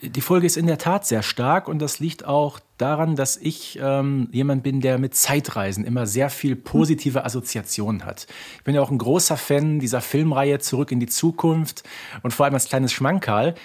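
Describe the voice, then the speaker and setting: A man's voice: mid-range voice, normal speed, darkish tone. A man co-hosting a fan podcast, chatting casually and explaining things with close attention to detail. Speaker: podcast co-host.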